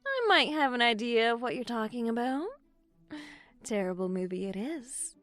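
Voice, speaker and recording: A woman's voice: fairly high pitch, lively intonation, normal speed, a bit bright, soft background music. A woman playing a dryly teasing young woman new in town, in a naturalistic audio drama. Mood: playful.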